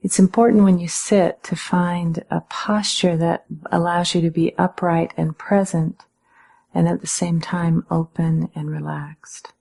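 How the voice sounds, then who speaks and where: A woman meditation teacher giving calm, measured guided instruction in a breathy, slightly husky voice, with gentle pauses. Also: on the low side.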